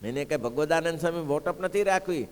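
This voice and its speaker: A man's voice: fairly high pitch, fast. Man preaching a sermon in a reverberant hall. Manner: asks the audience rhetorical questions and acts out the quoted characters. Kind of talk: devotional sermon storytelling. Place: gurukul assembly hall.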